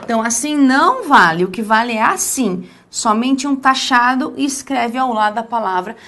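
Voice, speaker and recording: High-voiced Brazilian woman teaching emphatically. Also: lively intonation, fairly bright tone. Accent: Brazilian Portuguese. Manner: emphatic, stretches key words slowly; checks in with the listener often. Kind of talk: classroom lesson on essay writing.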